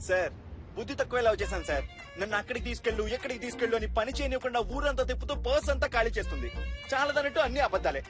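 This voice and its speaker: A man's voice: extremely high pitch, expressive, rapid-fire, music in the background. A man playing a young man who whines and complains about his lover. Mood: whining. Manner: complaining, whiny.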